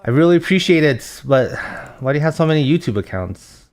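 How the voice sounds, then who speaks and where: Soft-spoken young man streaming a game. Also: on the high side, brisk. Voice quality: soft, gentle voice. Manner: soft-spoken, relaxed, reads chat aloud, thinks out loud with restarts. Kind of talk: casual live-stream chat while gaming.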